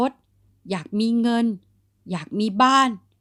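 This woman has a normal speaking voice, fairly high in pitch with ordinary pitch variation. The very clean recording has a silent background and a dry, close sound with no echo. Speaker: audio novel narrator and author. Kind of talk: romance audio novel reading.

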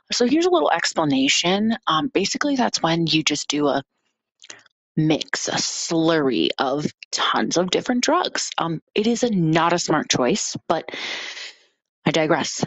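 A woman speaks at a fairly low pitch and a fairly slow pace, with very wide pitch swings and very even loudness. The sound is dry with no echo, over a quiet background. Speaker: listener leaving a voicemail; podcast co-host. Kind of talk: recorded voicemail story. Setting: voicemail recording. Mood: playful, joking. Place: studio. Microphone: studio mic.

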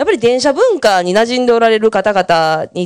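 In a quiet background, a woman with an ordinary speaking voice talks at a moderate pace, her fairly high pitch carried by lively intonation. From Kyoto, Japan; Japan. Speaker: city council member. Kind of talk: committee questioning. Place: meeting room.

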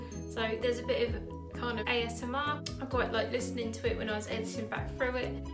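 Loud music plays in the background. Over it, a woman talks at a very fast pace. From UK. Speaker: cleaning and makeup YouTuber. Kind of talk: casual talk to camera, product rundown. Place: home room. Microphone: camera far.

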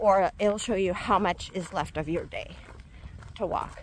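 A woman speaks at a very slow pace. The sound is dry with no echo, over light background noise. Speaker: pilgrim hiker vlogger. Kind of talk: casual vlog chat. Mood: relaxed, positive. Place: open country. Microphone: phone near.

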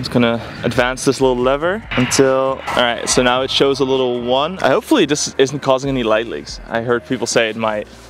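Music plays in the background while the speech moves at a moderate pace. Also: man, dry sound with no echo. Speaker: photography vlogger. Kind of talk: casual vlog chat. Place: open country. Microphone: lapel.

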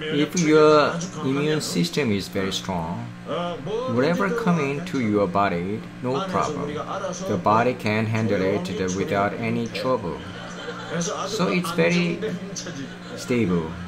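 With clear music playing behind him, a man speaks at a fairly slow pace, leaving long, frequent pauses. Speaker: lecturer. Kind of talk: lecture. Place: studio. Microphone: lapel.

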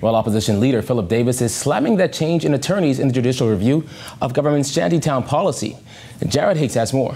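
A man at a very fast pace, with lively intonation and very even loudness. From Bahamas. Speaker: news anchor. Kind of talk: news reading. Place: studio. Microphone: lapel.

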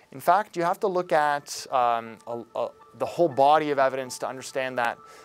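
Over clear music in the background, a man talks at a moderate pace with ordinary pitch variation. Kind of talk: interview answer. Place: studio. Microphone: lapel.

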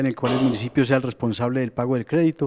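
A man speaks at a medium pitch with a dark, mellow tone. His intonation stays fairly even against a quiet background. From Colombia, Antioquia (Sonsón); Antioquia. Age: 50s. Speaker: mayoral candidate, social psychologist; candidate. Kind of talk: political debate. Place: studio. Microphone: handheld.

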